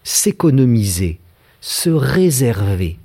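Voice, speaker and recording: A man in his sixties giving a reflective public talk, pausing often with filler sounds. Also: mid-range voice, big pitch swings, mellow, husky. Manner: hesitant, many filler sounds.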